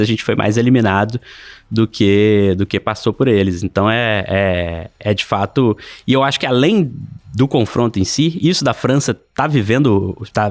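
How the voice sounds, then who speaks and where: Fast-talking Brazilian man, dry sound. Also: fairly low pitch, no echo. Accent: Brazilian Portuguese. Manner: fast, hesitant, repeats words. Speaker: newspaper sports editor, guest. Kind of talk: podcast interview.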